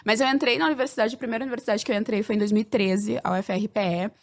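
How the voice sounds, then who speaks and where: Fast-talking woman in her thirties, slightly high voice, emphatic and jokey; a panel guest. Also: steady tone. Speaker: sociology researcher guest. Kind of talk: podcast panel conversation.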